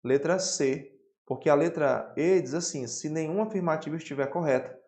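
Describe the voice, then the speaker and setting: A man with a Brazilian Portuguese accent teaching an exam-prep lesson, explaining at a whiteboard and checking in with quick "tá?" and "né?" tags. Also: fairly high pitch. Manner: lively explaining, frequent "tá?" and "né?" checks. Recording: roomy echo.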